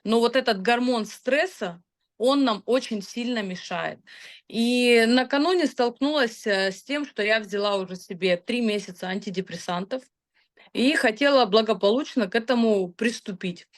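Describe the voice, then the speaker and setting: A woman's voice: a little high, normal speed. A woman in her thirties talking casually about her own results, chatty and hesitant, with frequent filler sounds. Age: 30s. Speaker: customer sharing product results. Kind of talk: casual testimonial talk.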